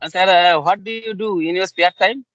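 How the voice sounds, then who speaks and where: A man's voice: high-pitched, normal speed, fairly bright tone, no room sound, muffled recording. A man interviewing a guest in a casual English practice conversation, polite and deferential and often addressing him as sir.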